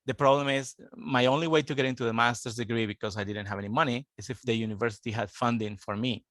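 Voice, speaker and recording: Guy in his 50s, steady and earnest, dry close sound. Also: medium pitch, fast, no echo. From Colombia. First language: Spanish. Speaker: guest, international student advisor. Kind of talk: interview, telling his life story.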